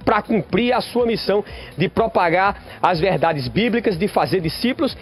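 High voiced pastor guy from paraiba, calm and explaining, live tv interview w handheld mic. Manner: measured, explanatory, inviting. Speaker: pastor and event organizer. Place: outdoor event venue under a large tent roof. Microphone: handheld reporter microphone.

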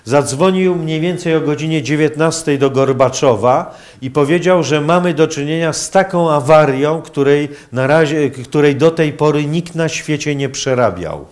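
A man giving a public lecture in a halting, hesitant manner with long pauses. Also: a little high. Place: university lecture hall, indoors.

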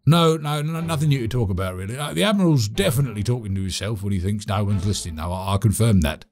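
An actor playing a chatty, cagey British servant in an audio drama, speaking in a halting, colloquial, animated way. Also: male voice, fairly low pitch, faint music behind. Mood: sly, chummy. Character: chatty, cagey servant man, obsequious yet scheming. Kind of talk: audio drama monologue and dialogue.

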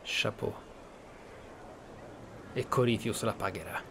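A man's voice: on the low side, slow pace. A man giving reflective, explanatory commentary as host of a role-play gameplay series. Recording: clear background game ambience noise. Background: game ambience.

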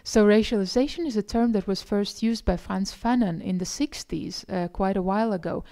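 A woman speaks with a gravelly creak and a soft, dark tone. She presents like an academic at a conference, reflective and thoughtful, often restarting her phrases as she explains. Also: medium pitch, normal speed. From Eastern Europe. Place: indoor conference room, presenting in front of slides.

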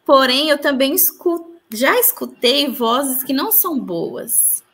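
A woman's voice: sits high, expressive, takes it slowly, a bit bright. A woman giving an earnest personal testimony in an interview, retelling events with quoted dialogue. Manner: earnest, tells her story with reported dialogue.

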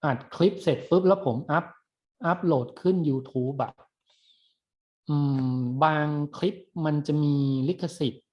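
A man's voice: fairly high pitch, unhurried, a little mellow. A middle-aged man giving a recorded university class lecture, chatting loosely with many fillers and restarts.

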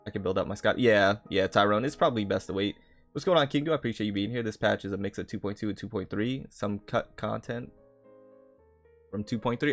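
A man live streaming in a casual, chatty way, greeting viewers and often repeating his phrases. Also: lowish voice. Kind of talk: casual gaming livestream chat, greeting viewers. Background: background music.

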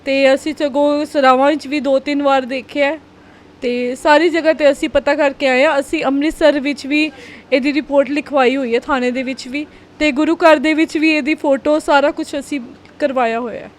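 A woman, a tearful and upset mother answering a reporter's questions in halting, repeated phrases. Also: sits high, steady tone. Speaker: mother of a missing girl.

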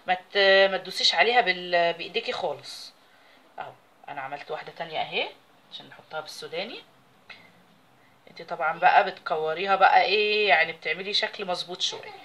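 A woman's voice: medium pitch, a bit bright. A woman with an Egyptian Arabic accent, hosting a home cooking video and chatting casually while she works with her hands. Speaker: cooking channel host. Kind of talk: casual recipe demonstration.

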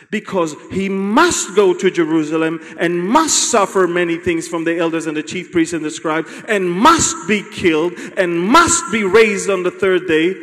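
Animated Israeli preacher in a reverberant hall. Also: male voice, high-pitched. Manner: animated, acts out scenes, repeats words. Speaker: Bible teacher. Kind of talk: sermon.

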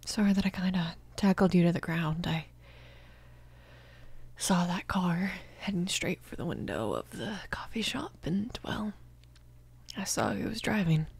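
A woman performing a young female mafia boss in an intimate ASMR romance audio drama. Her voice is husky and breathy, often slipping toward a whisper. She is commanding and fiercely protective, with a soothing tenderness. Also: lowish voice, lively intonation, a little slow, a little mellow, heavily acted. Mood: tender, reassuring.

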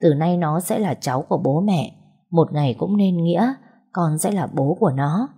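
A woman voicing an older grandmother who scolds fondly and dotes on her grandchild, in a low, husky voice. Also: lively intonation, normal speed, dark tone, exaggerated voice. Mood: coaxing. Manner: scolding yet doting. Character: older grandmother, fussing and kindly.

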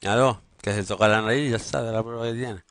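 A man's voice: on the low side, steady tone, a little fast, fairly bright tone, no room sound. A man teaching English grammar in a classroom, teasing and bantering with his students. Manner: banters and teases students, joking about football. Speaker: secondary school English teacher. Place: school classroom.

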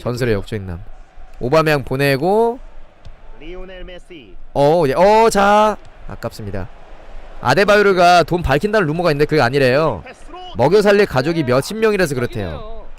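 A man's voice: fairly high pitch, normal speed, long pauses. A young man streaming a football video game, calling the plays and chatting with viewers in between. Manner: excitable play-by-play, chatting with viewers. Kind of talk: live gameplay commentary.

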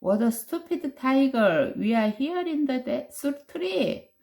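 Storybook little sister, cheeky and high-pitched, as the narrator puts her on. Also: big pitch swings, extremely slow, vocal fry, darkish tone, exaggerated voice. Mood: mocking. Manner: mocking.

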